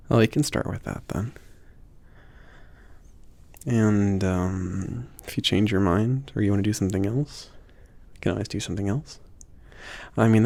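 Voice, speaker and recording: A man acts out a gentle, obliging mage who runs a potion shop, in an intimate ASMR roleplay. His low voice is breathy and husky, swinging loosely in pitch and often sinking toward a whisper. He talks slowly and hesitantly, rambling and trailing off. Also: dry recording, full character voice.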